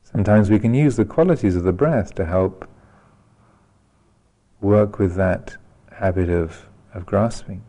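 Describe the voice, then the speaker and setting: Male meditation teacher, very low voice, soft mellow tone, calm and unhurried, long pauses. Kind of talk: guided meditation instruction.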